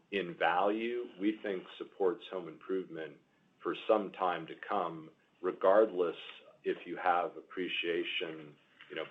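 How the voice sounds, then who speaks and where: A man answering questions as a company executive on an earnings call, halting and repeating words as he explains. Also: deep voice. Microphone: conference call line. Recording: muffled narrow-band conference call audio.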